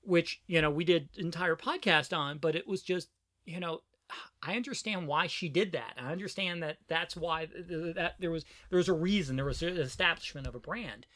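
Bright-voiced trans woman, reflective chat. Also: fairly low pitch, moderate pace, dry recording, studio quality. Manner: reflective, animated, laughs often. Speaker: podcast co-host. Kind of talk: casual conversation.

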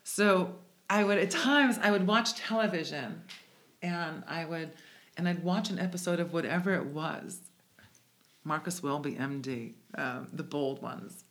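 A woman's voice: low-pitched, a little slow, fairly bright tone. A woman guest from the United States, a native speaker of English and Hebrew, talking reflectively in a conversational interview. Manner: reflective, searching, with restarts.

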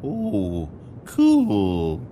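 An actor playing a drunk, dim-witted airline passenger who stammers and repeats himself in a comic radio play. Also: male voice, lowish voice, huge pitch swings, very slow, mellow, a little hiss or hum, full character voice. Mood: befuddled.

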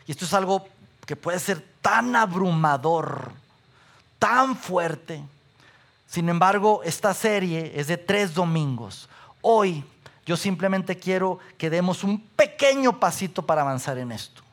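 A man preaching a sermon, animated, asking the congregation questions and listing examples. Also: high-pitched, measured pace. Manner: animated, asks the audience questions, repeats lists. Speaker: pastor.

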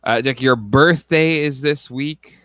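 A man's voice: mid-range voice, takes it slowly, sharp tone, no echo, clean studio sound. A man in his thirties co-hosting a casual chat, hesitant with many fillers. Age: 30s. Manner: hesitant, lots of fillers, reads aloud. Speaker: podcast co-host.

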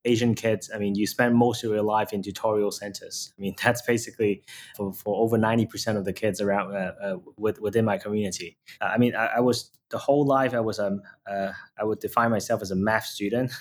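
A man's voice: lowish voice, steady tone, fairly quick. A man in his thirties from Hong Kong, a startup founder answering interview questions hesitantly with many "uh" fillers.

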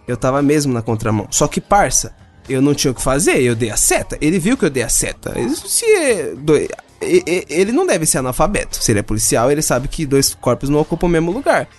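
A man's voice: a little high, very animated, quick pace, soft background music. A young Brazilian man, telling a story in a casual, swearing chat and acting out the other people in it. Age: young adult. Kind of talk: casual chat, animated anecdote with slang and swearing.

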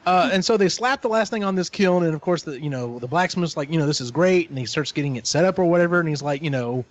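A man in casual podcast chat who retells a story in an animated way and swears freely. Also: on the high side, quick pace. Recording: dull lo-fi recording.

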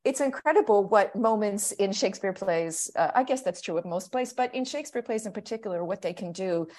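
A woman from Pittsburgh talks as a podcast guest, her mid-range voice thoughtful and measured. She takes her time and laughs softly now and then. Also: mid-range voice, expressive. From United States (Pittsburgh). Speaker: guest, stage actor. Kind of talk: casual podcast interview.

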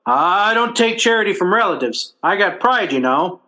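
A man's voice: high voice, lively intonation, moderate pace, bright, forceful tone. A man as blustering sitcom dad, wildly swooping delivery. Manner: blustery, stammering, folksy ungrammatical talk. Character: blustering, hapless working-class family father in radio comedy. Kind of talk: old-time radio sitcom acting.

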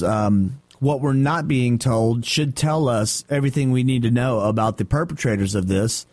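A man's voice: mid-range voice, darkish tone, no echo. A man co-hosting a talk radio show, giving blunt, dismissive opinions in casual chat. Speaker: radio co-host.

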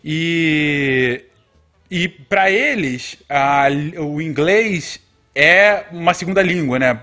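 A man's voice: on the high side, extremely slow, pushed and bright. A young Brazilian man chatting as a podcast guest, hesitant and full of fillers and restarts. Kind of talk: casual chat.

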